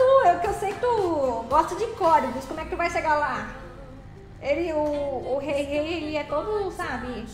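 A woman's voice: sits high, echoey room. A woman chatting on a live stream, playfully teasing viewers and thanking them by name, now and then singing a short phrase. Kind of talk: casual live-stream chat.

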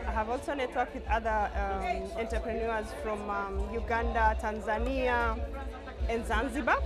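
A woman's voice: on the high side, steady tone, moderate pace, loud music behind the voice, over a noisy crowd. A woman from Kenya, a co-founder, speaking hesitantly with fillers in an interview. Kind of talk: interview testimonial.

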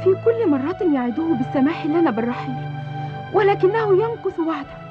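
A woman's voice: very high-pitched, big pitch swings, brisk. A woman playing an earnest, questioning young girl in a cartoon. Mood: anxious. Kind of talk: cartoon drama acting. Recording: dull lo-fi soundtrack with music.

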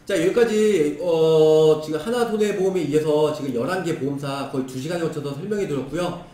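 Hoarse man listing insurance figures. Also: on the high side, mellow, recorded from a distance. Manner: brisk, listing figures in clipped phrases. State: hoarse, strained throat. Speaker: insurance product explainer. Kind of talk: screen-share product walkthrough. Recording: roomy echo, voice off-mic with faint noise.

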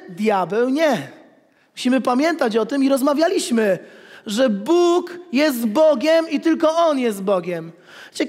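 A man in his thirties, a pastor, preaching an animated sermon with jokes, at a pulpit in a church hall. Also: very high-pitched. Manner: animated, gestures while preaching, jokes with the congregation. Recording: long reverb of a church hall.

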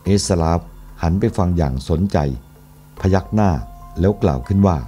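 Low, dark-toned man narrating a historical novel, steady delivery. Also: moderate pace, faint music behind. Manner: steady, even storytelling. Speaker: audiobook narrator.

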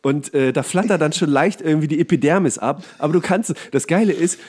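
A man's voice: on the high side, a little fast, a little mellow, breathy edge. A man hosting a podcast in casual, comedic chat, ranting colloquially with ironic exaggeration and some swearing. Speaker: podcast host.

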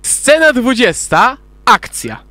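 A woman's voice: on the high side, wildly swooping pitch, takes it slowly. A young woman casually giving cues and instructions during a studio recording session. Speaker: recording director. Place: small academic radio studio. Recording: noisy studio with clicks.

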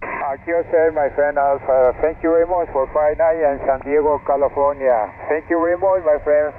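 A man's voice: on the high side, fairly even intonation, normal speed. A man making a casual ham radio contact, heard through a radio transmission. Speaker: amateur radio operator. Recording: tinny narrow radio link, faint noise.

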